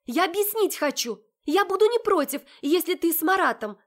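Flustered, pleading young woman, read by a woman, high and urgent. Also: big pitch swings, measured pace, a little mellow. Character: flustered older sister pleading to explain.

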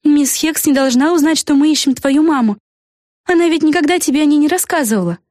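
A woman's voice: sits high, a little fast, a little mellow, no echo, studio quality, pitched above the performer's own voice, natural voice. Woman doing a blunt snippy fairy. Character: blunt, tactless female fairy.

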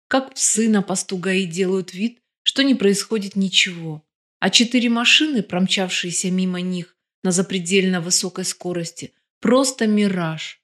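Woman audiobook narrator, steady expressive read of a crime novel. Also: mid-range voice.

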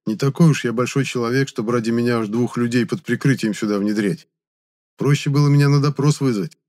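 Guy doing a loud blunt young dude, tells people off. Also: mid-range voice, steady tone, a little fast, pitched above the performer's own voice, lightly acted. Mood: wry. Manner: blunt, scolding. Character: sharp-tongued young male hero, blunt and scolding.

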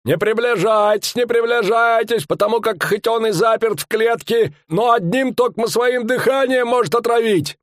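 Loud middle-aged barker, rustic old-fashioned speech, drawn-out showman's patter, high voice. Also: no echo, studio quality. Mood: boastful.

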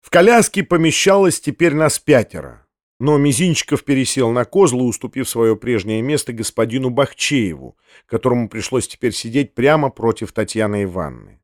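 A man reading a classic novel aloud in measured literary narration. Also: medium pitch, no room sound, studio quality. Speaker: audiobook narrator.

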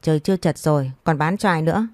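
Lady putting on a nagging old mother-in-law, loud, low warm voice. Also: fast talker, no room sound, clean studio sound, natural voice. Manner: loud, scolding.

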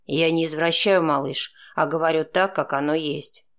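Женщина в роли холодного язвительного мужчины. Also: female voice, low-pitched, fairly even intonation, moderate pace. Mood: sardonic. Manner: cool, ironic, curt. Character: composed, blunt, sarcastic man.

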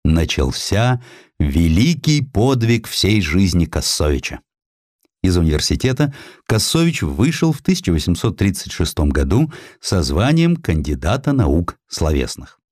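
A man narrating a historical literary essay in an expressive, theatrical way. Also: sits low, a little slow, dry recording, clean studio sound. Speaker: audiobook narrator.

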